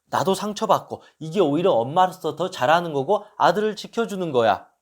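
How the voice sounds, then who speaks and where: A man's voice: a little high, animated, brisk, natural voice. A man voicing an anxious, controlling middle-aged mother who scolds and insists in a raised voice during a talk. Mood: defensive.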